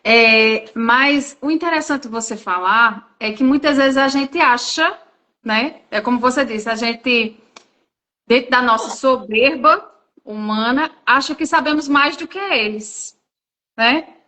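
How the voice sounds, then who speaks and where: Slow, bright-voiced woman. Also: fairly high pitch. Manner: reflective, agreeing. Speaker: co-host. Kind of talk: casual talk on a live stream.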